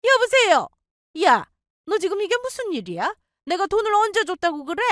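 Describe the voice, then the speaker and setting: Lady doing a shrill nagging old mother-in-law, scolds n yells, voice jumps way up and down, dry close sound. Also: sing-song, moderate pace, no room sound, heavily acted. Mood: angry scolding. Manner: scolding, shouting, indignant.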